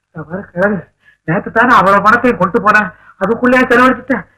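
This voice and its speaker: A man's voice: high-pitched, fast talker, sharp tone, low-quality recording. A flustered, wailing middle-aged father. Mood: fussing. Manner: fussy, wailing exclamations. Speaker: father of the young man. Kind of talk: 1960s film comedy acting.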